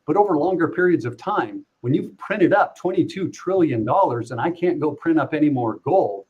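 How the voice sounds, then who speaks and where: A man's voice: on the high side, animated, normal speed, breathy edge, narrow, tinny audio. A middle-aged man, a company representative guesting on a livestream, explaining investments fluently and confidently. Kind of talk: casual interview.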